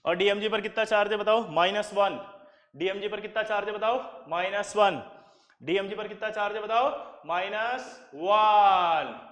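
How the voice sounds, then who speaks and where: Guy teaching chem in a classroom, keeps firing the same question back at the class, pretty high voice, roomy echo. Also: steady tone, moderate pace, a bit bright. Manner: drills students with repeated questions and answers. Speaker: chemistry teacher. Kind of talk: classroom lecture. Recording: echoey classroom with long reverb.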